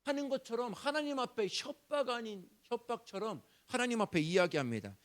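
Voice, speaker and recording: A male pastor preaching a Sunday sermon, animated, acting out prayers in a raised voice. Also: very high-pitched, a little fast. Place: church sanctuary.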